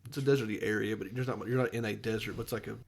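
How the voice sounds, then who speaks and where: A man's voice: lowish voice, steady tone, racing, creaky, husky. A man co-hosting a casual gaming podcast, offhand and dry. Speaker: podcast co-host.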